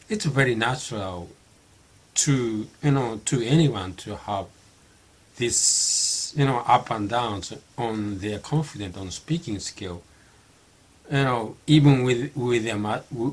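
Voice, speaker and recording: Halting Japanese-accented middle-aged man. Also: fairly low pitch, husky. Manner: halting, many fillers and restarts. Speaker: vlogger practicing English. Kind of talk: unscripted spoken monologue.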